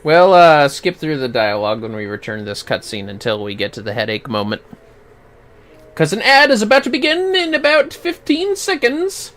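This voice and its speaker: A man's voice: fairly high pitch, big pitch swings, normal speed, a bit bright. A man livestreaming a video game, chatting casually with reactive, sweary asides.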